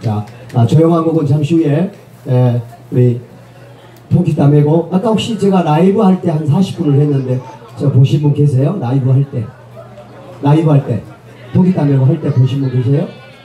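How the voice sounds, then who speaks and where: A man talks at a moderate pace with long, frequent pauses. Audible room echo and light background noise surround his voice. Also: ordinary pitch variation. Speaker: MC. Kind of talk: comic stage banter with audience. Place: stage.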